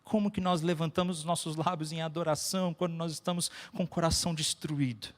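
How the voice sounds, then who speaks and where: A Brazilian pastor talks fast in a fairly high, steady voice, preaching emphatically with personal stories and repeated phrases. The sermon echoes with long reverb in a hall.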